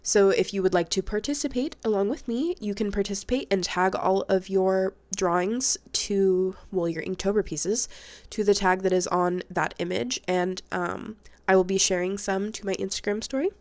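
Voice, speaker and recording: A woman's voice: mid-range voice, moderate pace, a little mellow. A young woman vlogging about her art in a casual, chatty, self-deprecating way, her voice congested and sniffly from a cold. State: stuffed-up nose from a cold. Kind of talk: casual chat.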